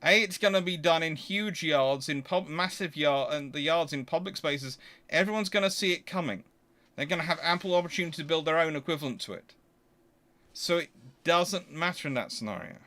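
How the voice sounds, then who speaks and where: A man's voice: on the high side, a little fast, bright, forceful tone. A man hosting a casual question-and-answer stream, talking in an emphatic, argumentative, conversational way. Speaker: host answering viewer questions.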